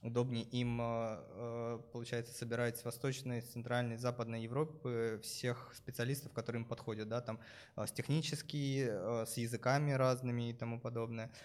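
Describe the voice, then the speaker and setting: A man's voice: medium pitch, little pitch movement, a little fast, clear, resonant tone. A man interviewing a guest, musing aloud with some fillers before asking his questions.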